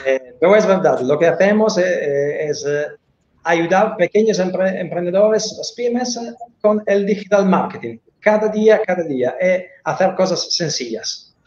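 Middle-aged Italian-accented man, hesitant non-native speaker, high-ish voice, roomy muffled video call. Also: a little mellow. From Italy. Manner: halting, searching for words with many filler sounds. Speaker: panel guest, software CEO. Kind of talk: webinar panel talk. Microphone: video call, laptop mic. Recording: roomy, dull video call audio with faint noise.

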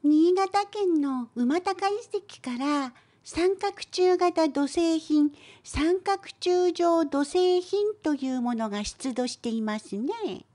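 A woman voicing a cute, curious cat-like assistant in an educational cartoon, polite, inquisitive and gently cheeky. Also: very high-pitched, expressive, slow, few pauses, exaggerated voice. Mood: presenting. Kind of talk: scripted educational cartoon dialogue.

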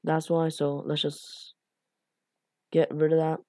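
Woman doing a chill coding tutorial, low voice, kinda raspy from staying up late, lots of um and sorry. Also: level tone, slow, darkish tone, no echo, studio quality. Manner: rambling, self-deprecating, lots of fillers and apologies. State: a bit raspy from being up late. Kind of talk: casual screen-recorded coding tutorial.

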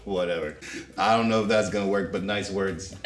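A man's voice: sits low, roomy sound. A man in his forties hosting a casual studio chat show, jokey and playful, on a lapel mic. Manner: animated, jokey, playful asides. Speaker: talk show host and comedian. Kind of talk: casual chat and stand-up bits. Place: studio with pink backdrop and plants.

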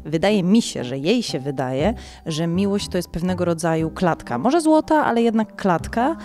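A woman's voice: on the low side, expressive, moderate pace, mellow, soft background music. A woman in her twenties, an actress, speaking thoughtfully and tentatively in an interview. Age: 20s. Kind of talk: interview talk. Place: indoor corridor. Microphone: handheld reporter microphone.

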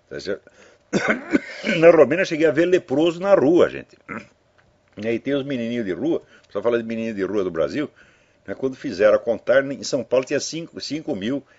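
Husky older man, rambling commentary. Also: medium pitch, a little mellow. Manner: rambling, tag questions, anecdotal. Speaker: commentator addressing listeners. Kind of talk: casual spoken commentary. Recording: dull lo-fi audio.

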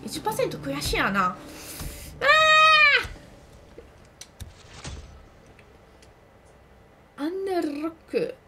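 A young woman doing playful, excitable gameplay commentary, talking to herself and breaking into shrieks. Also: high voice, fast talker, hardly any pauses, faint music behind. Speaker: gamer commentating a let's play. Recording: noisy game audio under voice.

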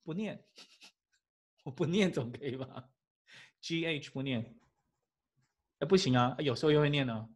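A man, an English teacher giving a lively classroom lecture full of rhetorical questions and chuckles. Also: fairly high pitch, unhurried, long pauses.

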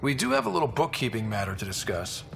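Young explorer leader: steady, plain-spoken video game hero, mid-pitched, expressive range. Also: male voice, fast talker, creaky, slight background noise, full character voice. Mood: easygoing. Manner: casual, direct. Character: young male space explorer commander, steady, direct. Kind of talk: video game cinematic acting.

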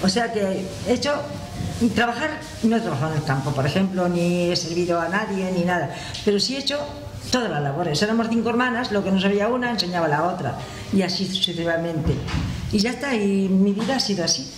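A woman's voice: medium pitch, expressive, fast. An older woman from La Mancha with a Manchego Spanish accent, chatting as a guest and reminiscing in a casual, storytelling way at a table mic. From La Mancha, Spain. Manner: chatty, reminiscing, laughs at herself. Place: community hall with audience. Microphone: table mic on stand. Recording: roomy hall, audible noise.

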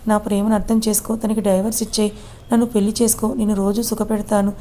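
A woman's voice: medium pitch, flat delivery, fast, warm tone, close to an everyday voice. A woman voicing a pushy, lovesick young woman who pleads and clings, in a read-aloud story. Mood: pleading.

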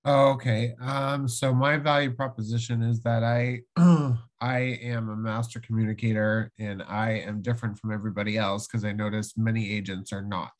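Flat-voiced man on a video call. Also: fairly low pitch, moderate pace, few pauses. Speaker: participant.

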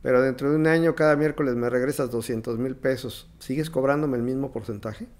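A man's voice: mid-range voice, steady tone, brisk, a little mellow. A man in his fifties with a northern Mexican accent, hosting a business podcast and asking long hypothetical questions. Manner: asks long hypothetical questions, short backchannels. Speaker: podcast host. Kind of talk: business interview. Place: office meeting room. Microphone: studio mic on desk stand.

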